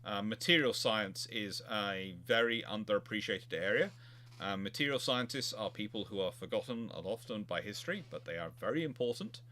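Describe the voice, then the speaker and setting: A man hosting an informal expert chat, answering questions in a halting way with frequent restarts. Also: fairly low pitch, expressive, bright, forceful tone. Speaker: host of a naval history live chat.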